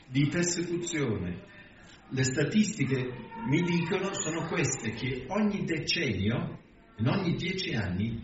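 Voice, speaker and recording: A male preacher giving a conversational sermon that builds into emphatic rhetorical questions. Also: medium pitch. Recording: roomy, distant, muffled with background noise.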